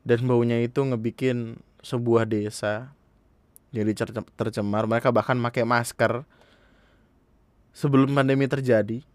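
A man's voice: medium pitch, level tone, measured pace, pauses often, no room sound. A young man, earnestly commenting in a casual monologue, speaking straight to his listeners. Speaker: podcast host.

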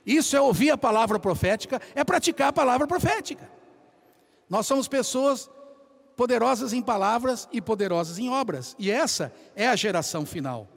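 Guy preaching, high voice, keeps calling the crowd brothers. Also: moderate pace, gravelly. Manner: animated storytelling, addresses congregation as brothers. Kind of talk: sermon.

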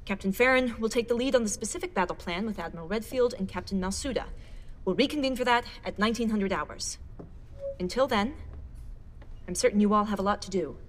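A woman playing a decisive director chairing a fleet council in a science fiction audio drama, brisk and commanding. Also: medium pitch, a little hiss or hum, close to an everyday voice. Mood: resolute.

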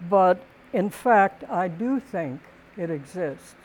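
Slow, calm older woman giving a talk. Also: lowish voice, a little hiss or hum. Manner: deliberate, thoughtful phrasing with frequent pauses. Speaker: speaker giving a talk on community and housing. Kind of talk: prepared public talk.

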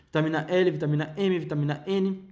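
A man's voice: a little high, steady tone, fast, a little mellow, lightly acted. A man voicing an eccentric, unflappable chocolate-maker in a read-aloud story, rattling things off breezily. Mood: breezy.

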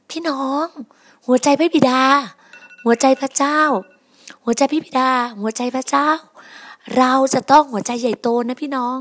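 On her podcast, a woman with a voice on the high side preaches a sermon. She is emphatic and repetitive, often calling her listeners brothers and sisters.

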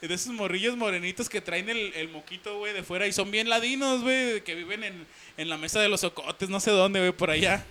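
A young man with a Mexican accent telling school stories in a casual podcast chat, slangy and animated, acting out the people in them. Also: high-pitched, fairly quick, hardly any pauses, slight background noise. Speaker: podcast co-host.

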